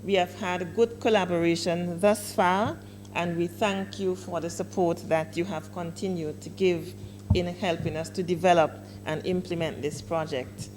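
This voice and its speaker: A woman official giving a formal public address at a launch event, speaking deliberately with emphatic stresses. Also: lowish voice, fairly even intonation, a little mellow, a little hiss or hum, rough recording. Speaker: government director speaking at a launch.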